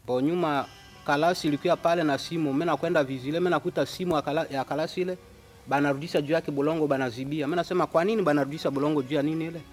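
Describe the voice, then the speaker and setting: Male witness, fast and earnest, higher voice. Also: steady tone, soft background music. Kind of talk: testimony.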